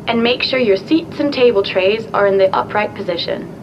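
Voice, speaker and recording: A woman's voice: moderate pace, close to an everyday voice. A woman playing a flight attendant making formal cabin announcements in a scripted English-lesson recording. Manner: polite, formal announcement delivery. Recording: muffled sound with clear background rumble.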